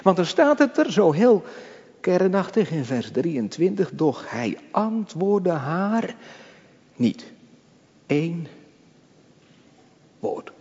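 A male pastor preaching a slow, emphatic sermon, swelling loud and dropping to a hush. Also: high voice, big pitch swings, breathy edge. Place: church. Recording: muffled, lo-fi church reverb.

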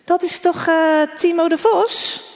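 A woman's voice: very high-pitched, unhurried, a little mellow, in a large hall, highs cut off, pitched above the performer's own voice. A woman voicing a mean schoolboy bully in a read-aloud story, taunting and mocking.

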